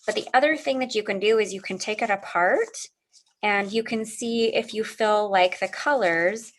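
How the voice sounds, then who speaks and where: A woman's voice: medium pitch, normal speed. A middle-aged woman hosting a live card-making demo, friendly and chatty, a little sniffly, answering viewers as she works. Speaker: craft livestream host.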